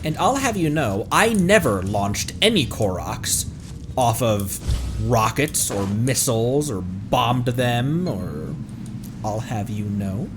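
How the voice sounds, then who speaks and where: A man doing casual live gameplay commentary in an animated, halting way, exclaiming often. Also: medium pitch. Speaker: livestreamer, VTuber. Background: game music.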